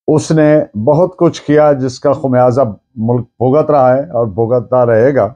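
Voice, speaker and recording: A man with a Pakistani accent giving an explanatory law lecture in a deliberate way, repeating for emphasis and mixing in English terms. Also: a little high, dark tone.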